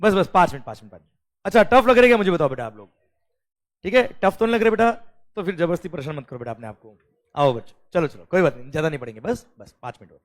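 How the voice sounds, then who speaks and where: An Indian man teaching an exam-prep lecture, mixing English and Hindi, calling students "beta" and asking "clear?" often. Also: fairly high pitch, expressive. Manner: calls students "beta", asks "clear?" often, reads English questions slowly.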